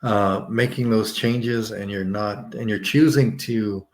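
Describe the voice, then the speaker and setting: Man hosting a podcast, lowish voice, talks casually, sums up what his guest says. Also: fairly even intonation, takes it slowly. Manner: conversational, paraphrases the guest's points, chuckles. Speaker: podcast host.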